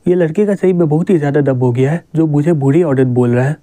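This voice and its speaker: A man's voice: fairly high pitch, fast, mellow, dry recording, close to an everyday voice. A man voicing an indignant, touchy woman in her late thirties who scolds a boy, in a manga recap.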